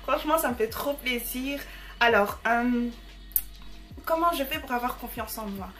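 Bright, bubbly young woman vlogging. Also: fairly high pitch, moderate pace, soft background music. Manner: bubbly and chatty, with frequent slangy fillers. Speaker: YouTuber answering viewer messages. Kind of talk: casual chat to camera.

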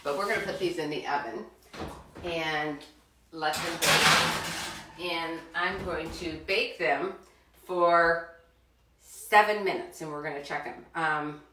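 A middle-aged woman with a slightly low voice chats warmly to children as she shows them how to bake. She talks straight to her young viewers and encourages them. She is picked up by a camera set back in a roomy home kitchen. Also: takes it slowly, long pauses, background noise. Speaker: cooking show host for children. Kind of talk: live cooking demonstration. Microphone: far camera. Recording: roomy kitchen sound from a distance.

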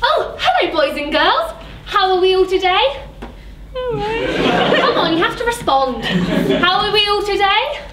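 Woman playing a high, sugary pantomime heroine. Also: very animated, measured pace, long pauses, very noisy, heavily acted. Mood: sweet, cheery. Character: Cinderella, sweet naive cheery young pantomime heroine. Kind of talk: live amateur pantomime stage acting. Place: indoor theatre stage. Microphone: distant camera. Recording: echoey theatre stage from far off.

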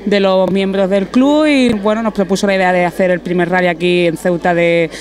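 A woman's voice: mid-range voice, steady tone, a little fast, darkish tone. A woman from a chamber of commerce interviewed outdoors at night, speaking with many restarts and repeated words. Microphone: handheld mic held by interviewer.

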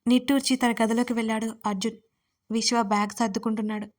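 A woman narrating an audio story in a steady reading voice. Her pitch sits somewhat high. She keeps an even, level contour with little melodic movement. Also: quick pace.

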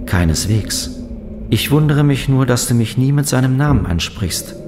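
An actor playing a polite, literal-minded ship's computer in a science fiction audio drama, formal and measured. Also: male voice, mid-range voice, lively intonation, noisy background, natural voice. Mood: calm, inquiring.

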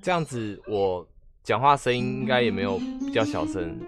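A man's voice: on the low side, expressive, normal speed, over music. A man with a Taiwanese Mandarin accent chatting casually on a live game stream, asking viewers questions and often trailing off and restarting.

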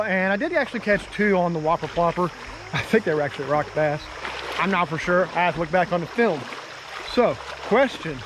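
A man talking casually to viewers as he fishes a creek outdoors, excited and chatty. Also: high-pitched, background noise. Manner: excited, talks to viewers while fishing. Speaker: fishing vlogger.

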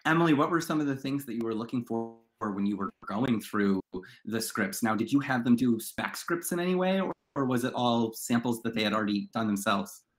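A man's voice: medium pitch, lively intonation, a little fast. A man moderating a video-call panel in a conversational interviewing style. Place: indoor room at home, video call.

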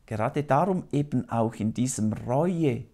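A man's voice: medium pitch, expressive, normal speed, vocal fry, dark tone. A man in his fifties, a priest, preaching solemnly and earnestly to camera in a small TV studio on a lapel mic. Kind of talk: televised sermon.

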